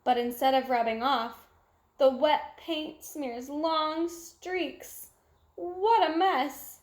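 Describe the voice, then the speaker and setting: Female storyteller for a children's picture book, high voice, expressive delivery, echoey room. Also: very slow. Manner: animated, exclamatory, acts out sound effects. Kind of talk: expressive children's read-aloud narration.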